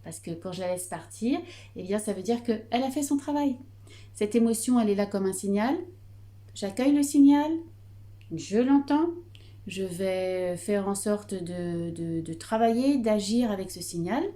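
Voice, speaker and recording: A middle-aged woman with a Breton French accent, teaching Reiki calmly with frequent hesitations and fillers. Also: medium pitch, normal speed. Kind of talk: explanatory video lesson.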